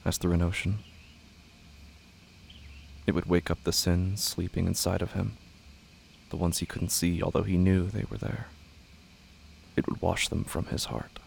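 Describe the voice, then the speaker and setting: A man narrates a horror story in a very low, creaky voice. His delivery is measured and somber, with little rise or fall. There is clear noise behind him. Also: a little mellow. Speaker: narrator of a horror audio drama. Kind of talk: scripted dramatic narration.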